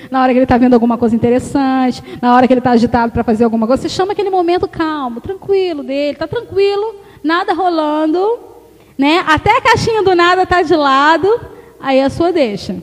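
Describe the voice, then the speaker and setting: High-voiced Brazilian woman preaching. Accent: Brazilian Portuguese. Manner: animated, storytelling, quotes herself and others. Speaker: pastor's wife preaching. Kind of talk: sermon at a women's service. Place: church hall. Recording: echoey church hall.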